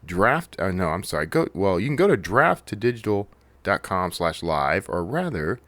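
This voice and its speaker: Recorded with no room sound, a male podcast host speaks at normal speed in a low, fairly bright voice with big pitch swings. Going solo, he chats casually in a meandering way, cutting himself off and looping back to earlier points.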